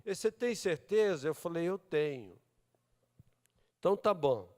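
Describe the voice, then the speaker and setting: A Brazilian man preaching a sermon, telling his own story and acting out the dialogue, swinging between loud and hushed speech. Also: on the high side, expressive, unhurried, big-room sound. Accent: Brazilian Portuguese. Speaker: pastor. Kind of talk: testimony sermon. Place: church service.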